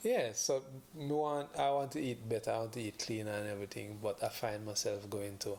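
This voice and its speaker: A fairly quick delivery with a Jamaican accent, ordinary pitch variation, and noticeable background noise. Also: man, medium pitch for a man. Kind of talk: casual podcast conversation.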